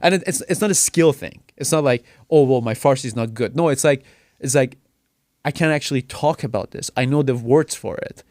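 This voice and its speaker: Fast-talking young man on a podcast. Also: medium pitch, a little mellow, no room sound, clean studio sound. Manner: fast, filler-heavy, keeps saying "right?". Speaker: podcast guest. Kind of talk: casual podcast chat.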